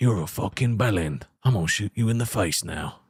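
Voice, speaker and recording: A put-on character voice from a man in an English accent, fairly low in pitch, with lively intonation at a fairly quick pace. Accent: rough English. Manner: aggressive, threatening.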